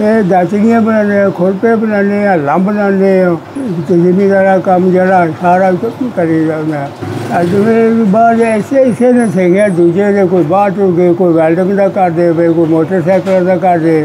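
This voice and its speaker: A man's high-pitched voice at a fairly slow pace, with fairly even intonation, very even loudness and light background noise. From Pakistani Punjab. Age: 80s+. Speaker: ironsmith. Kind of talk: interview. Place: workshop. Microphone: lapel.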